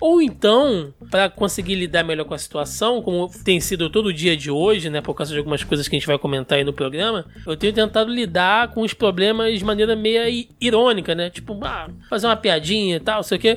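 A high-pitched man with a Rio de Janeiro accent, fairly quick and lively in intonation, with hardly any pauses. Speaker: podcast host. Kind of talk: casual chat.

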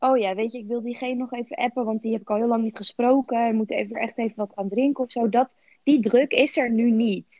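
In a normal speaking voice, a woman talks at a fairly high pitch and a fairly quick pace. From Netherlands, Purmerend (North Holland). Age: 20s. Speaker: nursing home worker and nursing student. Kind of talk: casual chat.

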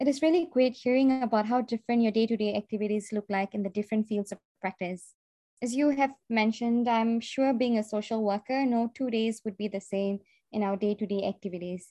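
A woman's fairly high, dark, mellow voice at a fairly quick pace, with ordinary pitch variation and a dry, close sound with no echo over a quiet background. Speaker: podcast co-host. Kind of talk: interview.

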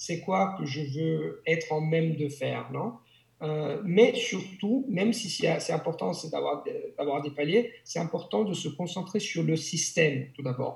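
With noticeable background noise behind him, a man with an Italian accent talks at a very slow pace in a high pitch with lively intonation. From Italy. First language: Italian (speaking French). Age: 40s. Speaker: polyglot language coach. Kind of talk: interview conversation.

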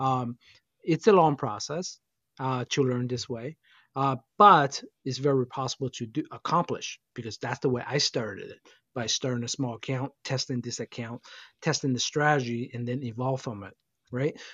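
A man speaks in a normal speaking voice at a medium pitch and a moderate pace. His pitch varies in an ordinary way while his loudness swings widely. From China, moved to eastern Canada at age 8. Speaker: stock options trader and trading mentor. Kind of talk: casual interview.

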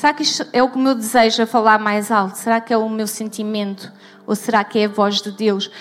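A woman with a European Portuguese accent speaks at a fairly quick pace and fairly high pitch. Noticeable background noise is present. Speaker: preacher. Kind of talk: sermon.

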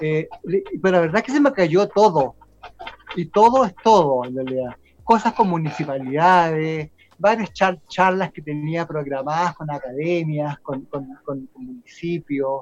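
An unremarkable speaking voice, a man's, runs fairly high in pitch and fairly slow, with lively intonation and big swings in loudness. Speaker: fashion designer. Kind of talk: casual chat.

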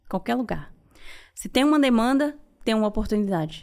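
A woman with a normal speaking voice talks at a moderate pace and fairly high pitch, with lively intonation. The recording is very clean, with a silent background. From rural interior of Bahia, Brazil. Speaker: entrepreneur. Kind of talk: interview.

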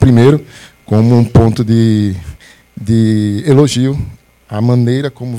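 Fairly even in intonation, this man's medium-pitched voice has a dark, mellow tone. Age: 30s. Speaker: audience member, bank employee. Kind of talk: audience question. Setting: live event with audience.

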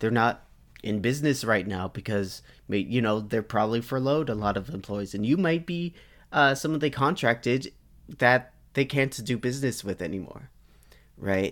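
With an unremarkable speaking voice, a man talks at a moderate pace and medium pitch with ordinary pitch variation, on a very clean recording with a silent background. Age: 20s. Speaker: podcast host and film student. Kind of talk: solo podcast monologue. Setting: recording at parents' home. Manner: casual with many fillers.

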